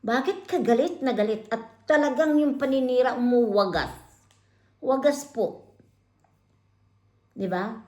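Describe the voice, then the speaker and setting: A woman's voice: on the high side, animated, takes it slowly, long pauses, darkish tone, roomy sound. A woman hosting online commentary, calling out a critic with pointed repeated questions. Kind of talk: confrontational live commentary.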